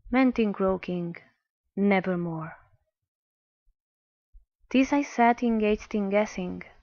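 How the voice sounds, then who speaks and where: Speaking at a fairly slow pace with a non-native accent, a woman keeps a medium pitch and ordinary pitch variation. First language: non-native English speaker. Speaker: amateur reader. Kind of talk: poetry reading.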